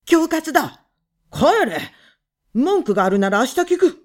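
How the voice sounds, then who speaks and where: A woman voicing a cornered male writer who blusters loudly while his voice trembles. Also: high voice, sing-song, unhurried, voice pushed up. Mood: blustering.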